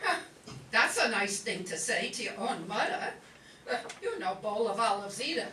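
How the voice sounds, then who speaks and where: Echoey distant room, woman playing guilt-tripping Jewish mother, melodramatic, kvetching, swooping pitch, comic radio play. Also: very animated, normal speed, pushed and bright, a little hiss or hum. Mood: needling. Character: pushy guilt-tripping Jewish mother of Mary, new grandmother.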